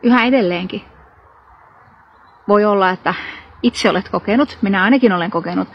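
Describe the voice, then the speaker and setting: A woman delivers a sermon with a husky, slightly breathy voice. She retells scripture with earnest emphasis and pointed rhetorical questions. The recording sounds dull and lo-fi. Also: mid-range voice. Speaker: preacher.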